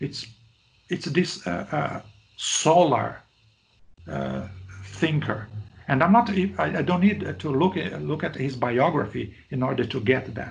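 Speaking at a fairly slow pace with long, frequent pauses, a man with a Portuguese accent uses a medium-pitched voice with vocal fry and very wide pitch swings. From Brazil. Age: 40s. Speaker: philosophy lecturer. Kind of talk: interview. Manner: halting.

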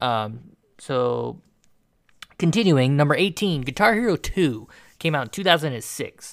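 A man with a fairly high pitch and very wide pitch swings talks at a fairly slow pace with long, frequent pauses, recorded very cleanly against a silent background. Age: 30s. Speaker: gaming podcast host. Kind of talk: solo podcast countdown. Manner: halting.

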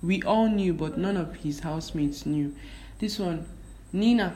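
A woman with a fairly low pitch and a dark, mellow tone speaks with vocal fry. Her pace is moderate and her pitch variation ordinary. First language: a Nigerian language. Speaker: podcaster. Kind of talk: casual monologue. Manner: animated.

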